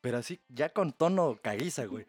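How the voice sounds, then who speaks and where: A man with a Mexican Spanish accent telling a crude, animated story on a casual podcast. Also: medium pitch, brisk, dry recording, faint music behind. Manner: crude slang-heavy, animated retelling. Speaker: podcast host.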